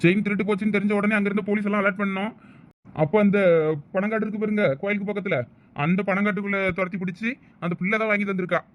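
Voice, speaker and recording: A man's voice: high-pitched, level tone, lightly acted. A man with a Thoothukudi Tamil accent voicing a talkative middle-aged police officer in a cartoon, explaining things at length. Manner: rapid, chatty, explaining at length. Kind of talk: cartoon voice acting.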